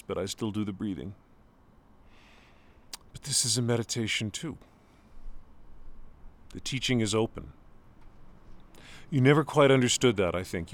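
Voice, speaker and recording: A man playing a halting, grieving son. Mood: reflective. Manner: halting, restarts, voice breaking into high strained pitch. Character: grieving adult son talking to his father. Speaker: son addressing his father. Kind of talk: intimate dramatic monologue.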